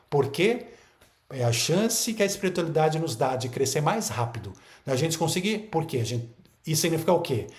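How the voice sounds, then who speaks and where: Animated man in an echoey room. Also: sits high. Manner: emphatic, repeats phrases, rhetorical questions. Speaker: spiritual teacher. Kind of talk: spiritual talk to an online audience.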